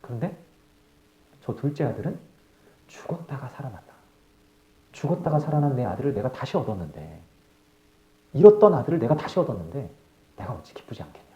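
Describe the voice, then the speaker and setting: A man acting a loving old father who speaks softly, almost in a whisper, recorded live in an echoey church. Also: mid-range voice, sing-song, brisk, pauses often, muffled recording, pitched below the performer's own voice, natural voice. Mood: gentle, pleading. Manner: soft, hushed, near whispering. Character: tender old father, weeping with love.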